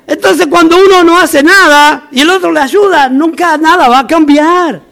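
A man's voice: very high voice, moderate pace, gravelly, fairly bright tone. A man from Argentina preaching a sermon as a pastor, emphatic and repetitive, with humorous asides.

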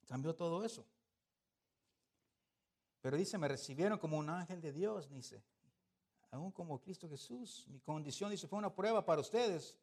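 A man with a high-leaning, creaky, husky voice preaches a lively sermon. He alternates loud emphasis with soft asides and poses rhetorical questions to the congregation.

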